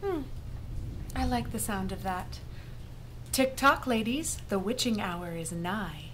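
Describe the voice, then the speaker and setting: A woman's voice: lively intonation, takes it slowly, a bit bright, a little hiss or hum. An actress in a comedic audio drama playing a demanding boss of witches, condescending and silkily threatening. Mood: smug, threatening. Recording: faint rumbling storm ambience behind.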